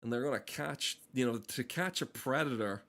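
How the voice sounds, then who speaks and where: Male streamer, mid-pitched, loose and sweary, riffing irreverently over cutscenes in a casual ramble. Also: normal speed. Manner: profane, irreverent riffing with dark humour. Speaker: gameplay streamer.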